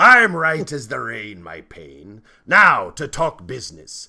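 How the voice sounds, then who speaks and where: A man's put-on character voice, fairly high and fairly slow, on a very clean recording with a silent background. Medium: actual play. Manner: rhyming, boisterous.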